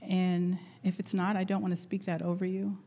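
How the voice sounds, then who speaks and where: A middle-aged woman leading a church gathering, chatty and laughing often, her voice going hoarse. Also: fairly low pitch, level tone, normal speed, mellow. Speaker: church leader. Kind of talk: warm casual church greeting and exhortation.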